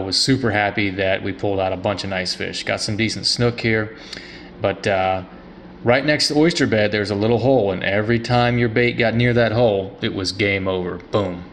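A man in his thirties narrates his fishing trip in an upbeat, plainspoken way, his voice sitting a little low. Faint boat and wind noise hums behind him out on the water. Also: normal speed. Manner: upbeat, plainspoken angler talk. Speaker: fishing show host. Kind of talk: casual fishing vlog narration. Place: outdoors on a boat on open water.

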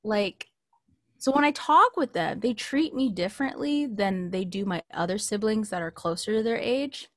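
A woman's voice: mid-range voice, normal speed, no room sound. Dry-sounding young American woman podcaster. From California, United States. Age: late 20s. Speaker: podcast co-host. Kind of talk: casual chat, personal anecdotes. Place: small indoor home recording setup. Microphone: close studio mic with pop filter.

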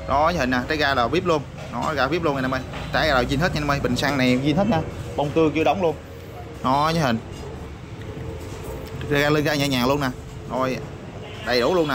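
Man, rapid repetitive hawking, slightly high voice, noisy backdrop with passing vehicles. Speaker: used motorbike parts seller. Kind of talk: casual product showcase sales patter. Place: parts shop or workshop.

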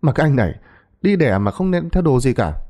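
A man voicing a brusque, teasing older male country doctor who talks in quick, matter-of-fact orders in a storybook tale. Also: medium pitch, sing-song, mellow, pitched above the performer's own voice, close to an everyday voice.

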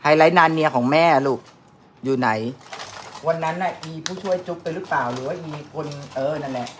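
A woman's voice: deep voice, fairly quick, slight background noise. A woman doing makeup on a livestream, teasing and joking crudely while she works, laughing often. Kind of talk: casual livestream banter.

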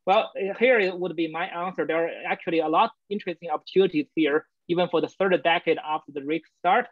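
A man giving a physics colloquium over a video call, speaking haltingly with many fillers. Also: a little high, no room sound. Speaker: guest speaker. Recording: dull lo-fi video call audio.

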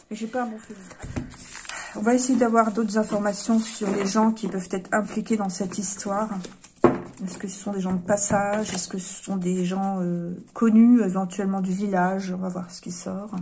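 A woman giving a casual tarot card reading, hesitant and apologetic, often pausing and sighing. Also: mid-range voice, warm tone, slight background noise. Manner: hesitant, apologetic, with frequent fillers and sighs.

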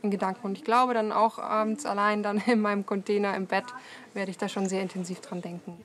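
A woman in her twenties, a soldier, speaking casually in an interview outdoors at medium pitch. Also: little pitch movement, a little fast, a bit bright. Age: 20s. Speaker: soldier and mother being interviewed. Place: outdoors, at a training range and in a garden.

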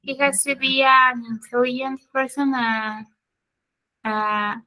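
A young woman who speaks Spanish as her first language answers questions in English class. She hesitates and hunts for words, speaking slowly in a high voice. The sound is dry and close. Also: fairly even intonation, sharp tone, dry recording, low-quality recording. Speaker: student.

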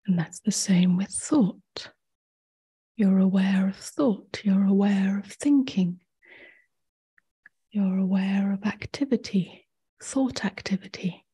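A woman meditation teacher leading a guided meditation in a soft, breathy near-whisper, gently and with long pauses. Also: medium pitch.

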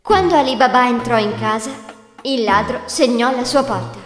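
High-voiced woman narrating a fairy tale. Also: moderate pace. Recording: echoey hall reverb, music behind. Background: music.

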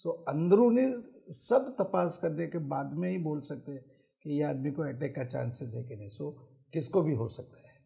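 Middle-aged male heart doctor, TV studio guest, gravelly mellow tone, slightly high, switches into English phrases. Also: animated, normal speed. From Mumbai. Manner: mixes English phrases into Hindi, lists symptoms and risks. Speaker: cardiologist guest. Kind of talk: explanatory interview answers. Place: TV studio set.

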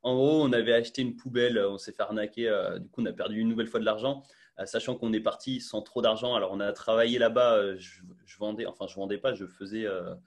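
A man's voice: fairly low pitch, steady tone, fast talker. Chatty young man on a video call. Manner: chatty, full of fillers and restarts. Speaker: guest. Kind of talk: casual video-call interview. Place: small bright room indoors. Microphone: earphone mic on a video call.

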